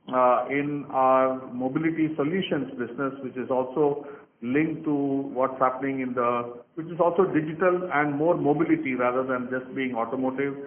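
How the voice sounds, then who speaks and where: A man with an Indian accent explaining things as a finance chief on an earnings call, measured and formal. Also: medium pitch. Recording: roomy speakerphone sound, tinny, noisy line.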